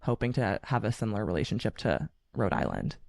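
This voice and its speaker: A man hosting a podcast interview, upbeat and quick to agree in casual chat. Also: fairly low pitch, lively intonation, vocal fry, a little mellow, no echo, clean studio sound. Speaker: podcast host.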